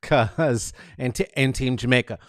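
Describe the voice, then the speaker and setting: A man hosting a casual comedic monologue, rambling and profane, animated and full of fillers. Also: medium pitch, measured pace, no echo, studio quality. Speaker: podcast host.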